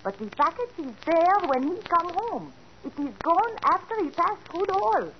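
A lilting French maid. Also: female voice, extremely high pitch, very animated, moderate pace. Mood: earnest. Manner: broken English, eager to explain. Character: young female French lady's maid, earnest. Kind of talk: 1940s radio acting. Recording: dull old radio broadcast with faint hiss.

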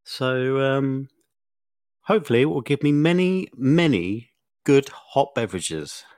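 A man co-hosts a podcast in casual chat, spinning rambling, chatty stories packed with fillers and sounding slightly sniffly. His medium-pitched voice is animated and a little mellow, with a measured pace. The studio-quality recording has no echo.

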